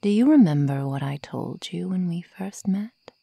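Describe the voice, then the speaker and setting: A woman voicing a sadistic young female werewolf in a slow ASMR roleplay, whispery and breathy, taunting and menacing her prey. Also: lowish voice, lively intonation, warm tone, no room sound, exaggerated voice. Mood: cruel, playful. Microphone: close microphone, dry.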